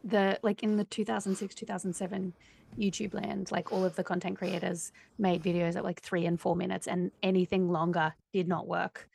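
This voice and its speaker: Gravelly-voiced woman in her thirties. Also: fairly low pitch, little pitch movement, normal speed, darkish tone. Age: 30s. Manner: upbeat, jokey, trailing fillers. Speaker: podcast co-host. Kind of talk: casual chat.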